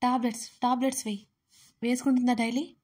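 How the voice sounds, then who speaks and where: A woman voicing a stern, short-tempered young man who scolds loudly and speaks curtly. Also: on the high side, level tone, quick pace, lightly acted. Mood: worried. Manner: scolding, loud and curt.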